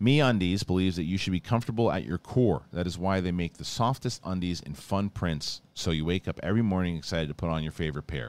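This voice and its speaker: With an American accent, a man talks very fast in a very deep, low voice with ordinary pitch variation and hardly any pauses, in a very clean recording with a silent background. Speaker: podcast host. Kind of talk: casual chat, spoiler review.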